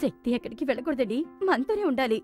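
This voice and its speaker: A scolding mom in a movie, high voice that swoops all over, talks fast. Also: female voice, animated, darkish tone, faint music behind. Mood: firm. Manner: scolding, quick-tempered. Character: scolding middle-aged mother and elder sister. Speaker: mother in a film.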